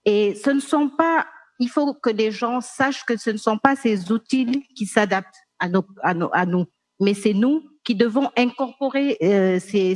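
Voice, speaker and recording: Female panelist, Senegalese accent, medium pitch, explaining in a measured way, very little room sound. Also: no echo. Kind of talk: panel discussion remarks.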